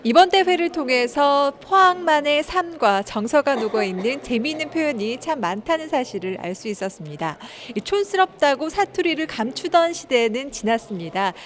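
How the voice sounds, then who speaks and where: A woman reporter narrating a news segment in a formal, measured way. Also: sits high, expressive.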